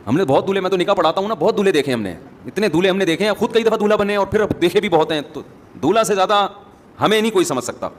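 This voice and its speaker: Male preacher, fairly high voice, casual sermon with asides, long hall echo. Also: a little hiss or hum. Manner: conversational, joking asides to the audience. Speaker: Islamic preacher. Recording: long hall reverb, faint ambience.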